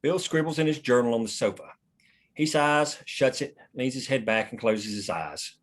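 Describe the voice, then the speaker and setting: A man's voice: medium pitch, moderate pace. A man reading stage directions as scripted narration at a table read.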